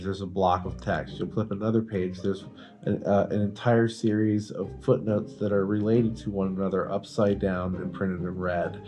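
A man's voice: on the low side, a little mellow. A man co-hosting a podcast, telling stories in a casual, emphatic, informal way and swearing freely. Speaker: podcast co-host. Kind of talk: casual banter and storytelling.

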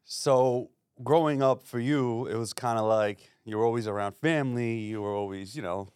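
A man's voice: medium pitch, normal speed, a little mellow, clean tone, no room sound, clean studio sound. A man hosting a casual interview, easygoing and laughing along with his guest. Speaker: interviewer host. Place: studio.

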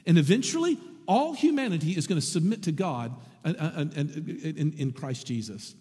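A man preaching a sermon to his congregation, lively and animated, with wry asides. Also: a little high, moderate pace, husky, big-room sound. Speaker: pastor.

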